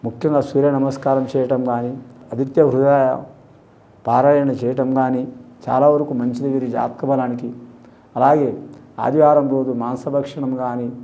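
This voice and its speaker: A man giving a horoscope reading in a steady, explanatory way, politely tacking "andi" onto his sentences. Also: mid-range voice, normal speed, muffled recording. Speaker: astrologer.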